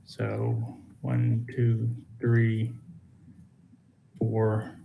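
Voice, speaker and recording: A man playing a tabletop game, talking in an unhurried, relaxed way. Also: on the low side, gravelly, slight background noise. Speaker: player. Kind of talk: casual tabletop play.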